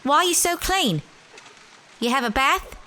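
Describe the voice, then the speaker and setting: A woman's voice: high-pitched, lively intonation, a little slow, sharp tone, slight background noise, heavily acted. A woman playing a brash, cheeky young street girl with blunt, slangy speech in an audio drama. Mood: incredulous, teasing.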